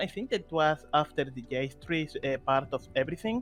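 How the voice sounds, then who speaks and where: A man with a non-native accent, fairly slow in pace, with lively intonation. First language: not English. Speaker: community member, developer. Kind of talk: podcast discussion. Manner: halting, many fillers.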